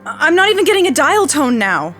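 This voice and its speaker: A woman's voice: high voice, very animated, fast talker, fairly bright tone, soft background music. An actress playing a frantic, commanding woman in an audio drama, speaking urgently.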